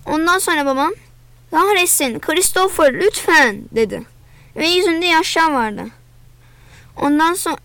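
A woman narrating a novel in the first person, in a plain, flat, repetitive manner. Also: high voice, dry recording. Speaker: audiobook reader.

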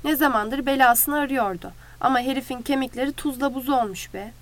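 A steady, commanding ranch leader, read by a woman in a storybook, giving orders in a firm, even tone. Her voice stays somewhat high under him. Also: brisk, lightly acted. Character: calm authoritative male ranch leader.

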